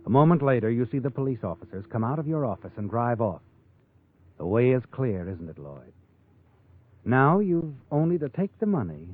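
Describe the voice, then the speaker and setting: An actor playing a sly, all-knowing narrator who taunts a guilty man in a 1940s radio drama. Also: mid-range voice. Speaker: narrator and host. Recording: muffled old radio broadcast with music.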